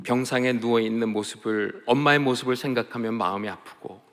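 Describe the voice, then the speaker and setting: A man, a pastor, preaching a sermon as emotional storytelling that swings between loud and hushed. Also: mid-range voice, brisk. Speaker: pastor and missionary. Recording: long hall reverb.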